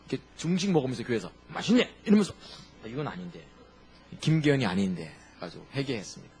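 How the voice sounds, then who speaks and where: A middle-aged male pastor delivering an emphatic sermon. His voice sits a little high with a husky edge, and his pitch leaps and drops as he throws questions at the congregation. He hammers each point home with insistent repetition. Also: fairly bright tone.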